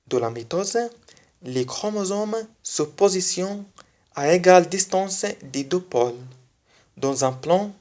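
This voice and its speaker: Non-native french speaker explaining biology, says the key bits twice, steady middle pitch. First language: not French. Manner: repeats key phrases slowly for emphasis. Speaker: biology video teacher. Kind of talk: explanatory online lesson.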